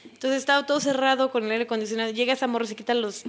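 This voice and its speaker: A woman with a Mexican accent, a mother, telling an animated, slangy story in casual chat and acting out the quotes. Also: a little high, racing, slight background noise. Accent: Mexican Spanish. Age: adult, mother of a son.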